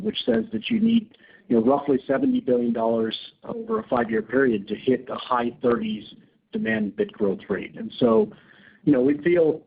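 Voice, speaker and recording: A man speaking as a company executive, giving unscripted answers on an earnings call in a halting way, often repeating words. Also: a little high, vocal fry, narrow, tinny audio, slight background noise. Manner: halting, hedged, word-repeating delivery. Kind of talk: unscripted answers to analyst questions. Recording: thin band-limited conference call line.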